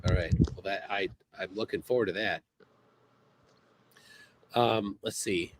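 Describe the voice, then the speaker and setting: A man hosting a casual livestream, reading chat aloud in a halting, laid-back way, speaking outdoors by the water. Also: lowish voice, heavy background noise. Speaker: livestream host.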